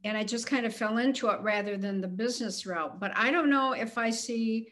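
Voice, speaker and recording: A seventy-year-old woman talks candidly about her life as a guest in an interview. Her voice sits a touch high, and she speaks in a plain, unfussy, self-deprecating way. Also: fairly quick, fairly bright tone. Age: 70s. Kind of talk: casual interview conversation.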